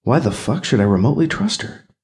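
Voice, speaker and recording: For a science fiction audiobook, a man performs a wary, sardonic male Catholic priest who speaks tersely, mutters, and is suspicious and sarcastic. The delivery is fast and sing-song, in a natural, medium-pitched voice that's a little mellow.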